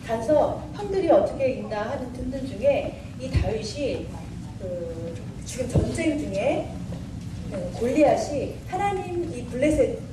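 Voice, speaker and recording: 이야기하듯 설교하는 여성 선교사. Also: female voice, sits high. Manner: animated retelling with quoted dialogue. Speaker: missionary preacher. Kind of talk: sermon storytelling. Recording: echoey room, far from mic, faint noise.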